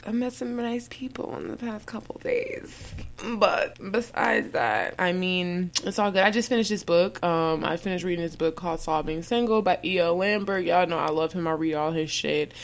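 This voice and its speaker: Young woman podcast cohost, lowish gravelly voice, bit raspy, swears a lot, laughs easy. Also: normal speed, few pauses. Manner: loose, profane, laughs often. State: slightly raspy after choking. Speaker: podcast co-host. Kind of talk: casual chat.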